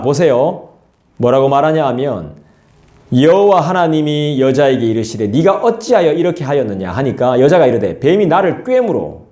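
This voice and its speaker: A male pastor, preaching an expository sermon in a lively, colloquial way and talking straight to the congregation. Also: mid-range voice. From South Korea. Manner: lively, colloquial, acts out scolding voices and asides to the congregation. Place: church sanctuary. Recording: echoey church hall.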